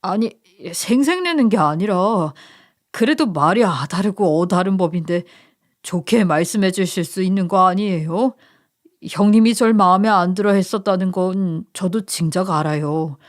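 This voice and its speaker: A woman's voice: fairly low pitch, moderate pace, lightly acted. Defensive young son-in-law, read by a woman: indignant, pleading, radio story.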